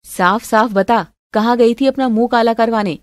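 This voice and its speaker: A woman's voice: on the high side, normal speed, dry recording, studio quality, lightly acted. A woman voicing a stern, accusing middle-aged mother-in-law in a melodramatic family story. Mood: furious. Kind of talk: melodramatic audio story acting.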